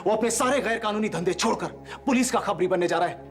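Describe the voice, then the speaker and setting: A young man pleading urgently, his voice pitched a little high and swelling with feeling. It is a TV serial drama with music behind. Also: fast. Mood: earnest, pleading. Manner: urgent, imploring.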